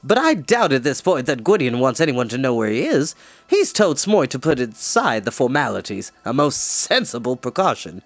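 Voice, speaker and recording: A man voicing a boastful, excitable bard with a pompous, blustering manner in a storybook read-aloud. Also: medium pitch, normal speed, no room sound. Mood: reassuring. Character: boastful, excitable male bard, self-assured adviser.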